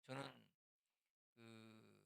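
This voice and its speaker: An older pastor talks loosely and conversationally to church small-group leaders, occasionally acting out scolding lines. His voice is fairly low and fairly even in intonation, very slow, with vocal fry and a slightly bright, clean tone.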